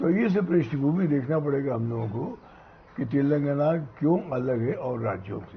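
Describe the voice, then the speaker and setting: Lively intonation from a man, plus clearly audible room echo. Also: fairly high pitch for a man. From Andhra Pradesh / Telangana, India. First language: Telugu (speaking Hindi). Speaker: senior journalist. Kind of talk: TV interview.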